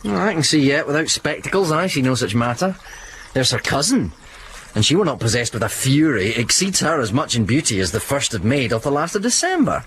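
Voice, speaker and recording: A man's voice: medium pitch, very animated, brisk, a bit bright, a little hiss or hum, poor audio. An actor playing a witty, mocking young soldier who swears he will stay a bachelor, in Shakespearean stage style. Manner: mocking, playful, laughing asides.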